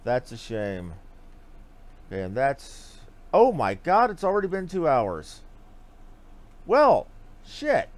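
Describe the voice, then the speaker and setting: A man's voice: medium pitch, wildly swooping pitch, slow, pauses often. A man giving casual, folksy live commentary as he streams a game, swearing now and then. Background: video game music.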